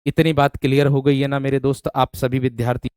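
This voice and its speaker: A man teaching grammar in an exam-prep class, repeating each phrase slowly for dictation and calling his students "my friend". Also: mid-range voice, little pitch movement, darkish tone, smooth, dry recording, studio quality. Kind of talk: online exam-prep lesson.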